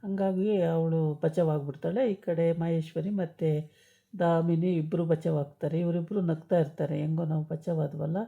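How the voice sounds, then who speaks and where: A woman's voice: deep voice, fairly even intonation, measured pace. A woman chattily retelling a TV serial episode, with many hesitation sounds. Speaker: storyteller recapping a TV serial. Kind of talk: casual story retelling. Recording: dull lo-fi recording.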